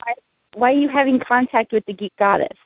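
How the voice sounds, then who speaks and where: Teasing high-voiced woman, tinny line. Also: a little fast, slightly rough, dry recording. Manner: teasing, laughs often. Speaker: co-host. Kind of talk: casual talk show banter. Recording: tinny phone-like line with music.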